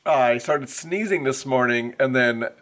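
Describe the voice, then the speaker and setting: A man's voice: medium pitch, measured pace, a bit bright. A man in his forties, a teacher, talking casually to camera in a rambling, chatty way, his voice congested. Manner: rambling, chatty, many fillers. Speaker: first grade teacher vlogger. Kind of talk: casual vlog chat to camera. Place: classroom, then inside a car. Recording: faint road noise.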